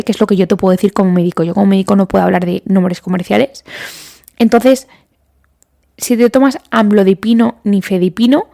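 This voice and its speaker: Gravelly-voiced woman doctor explaining. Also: mid-range voice, warm tone. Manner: conversational, lists items, acts out listener questions. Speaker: doctor, podcast host. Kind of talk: informal medical explainer podcast.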